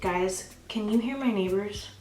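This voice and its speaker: A woman's voice: medium pitch, a little slow, a little mellow, roomy sound, recorded from a distance, faint music behind, low-quality recording. A young woman chatting bubbly and gushing through a makeup tutorial at home, talking straight to her viewers. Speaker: beauty vlogger. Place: home, filming herself.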